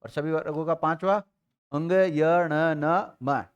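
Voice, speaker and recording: Slow-paced male Hindi grammar teacher. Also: a little high, clean tone, lo-fi sound. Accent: Rajasthani Hindi. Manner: drills students, repeats letters slowly. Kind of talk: live classroom lesson.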